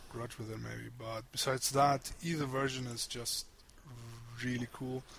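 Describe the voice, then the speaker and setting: Speaking in a German accent, a man talks at a fairly slow pace. His medium-pitched voice stays monotone and flat. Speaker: podcast co-host. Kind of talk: casual chat.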